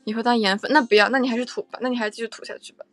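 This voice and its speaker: A woman's voice: fairly high pitch, fairly even intonation, racing, a bit bright, soft background music. A young woman hosting a casual livestream, chatting with viewers in a playful, teasing way and often repeating her phrases. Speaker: livestream host.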